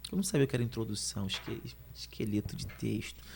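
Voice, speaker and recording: The man's very deep, low pitch carries vocal fry. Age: 30s. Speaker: itinerant pastor and barber. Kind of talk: testimony.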